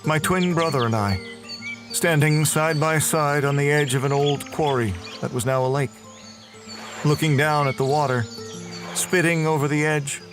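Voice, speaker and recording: An actor playing a tormented, damned murderer, delivering a brooding first-person horror audio drama monologue. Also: male voice, on the high side, steady tone, moderate pace, natural voice. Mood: wistful. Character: damned male murderer prisoner, tormented, confessing in hell. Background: music.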